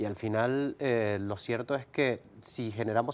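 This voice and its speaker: This man's voice shows ordinary pitch variation. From Canary Islands. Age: 40s. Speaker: politician. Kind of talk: interview. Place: studio. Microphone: lapel.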